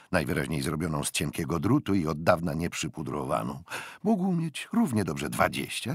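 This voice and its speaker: An older man reads literary fiction in a very low, husky voice. His delivery swings widely in pitch, with deliberate phrasing and dramatic pauses that give the narration a theatrical shape. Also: no echo, clean studio sound. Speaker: audiobook narrator.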